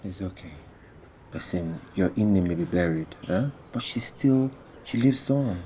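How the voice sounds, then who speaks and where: A man playing a gentle uncle who soothes and reassures a grieving child. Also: sits low, lively intonation, a little slow, a little hiss or hum. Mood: soothing. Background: music score.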